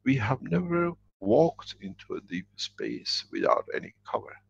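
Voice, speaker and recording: A man's voice: medium pitch, wildly swooping pitch, measured pace, creaky, slightly rough. A man giving a workshop lecture, speaking emphatically and repeating his key phrases. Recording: dull lo-fi recording.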